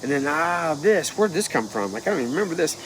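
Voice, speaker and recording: A man's voice: fairly high pitch, fast talker, slight background noise, poor audio. Stuffed-up, nasal middle-aged man outdoors. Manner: rambling, animated, restarts often. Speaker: spiritual healer. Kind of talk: casual vlog monologue. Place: outdoors in a wooded yard. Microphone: phone or camera at arm's length.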